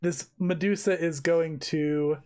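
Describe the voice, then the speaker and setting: A woman's voice: sits low, fairly even intonation, takes it slowly, mellow. A woman running a tabletop roleplaying game as game master, talking casually and playfully.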